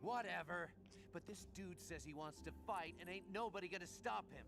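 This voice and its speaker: Foul-mouthed cocky young assassin. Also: male voice, high-pitched, moderate pace, vocal fry. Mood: indignant. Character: brash crude young male assassin. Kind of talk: video game voice acting. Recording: game music behind.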